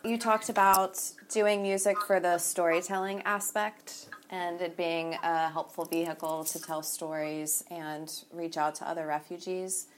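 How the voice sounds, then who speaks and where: A woman interviewer asking questions in a measured, curious way. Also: on the low side, steady tone, a little hiss or hum.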